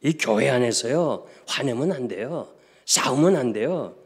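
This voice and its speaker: A Korean man preaching a revival sermon, telling stories and swinging between hushed asides and loud exclamations. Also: medium pitch, expressive, a little slow, breathy edge. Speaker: pastor. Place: church sanctuary. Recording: long church reverb.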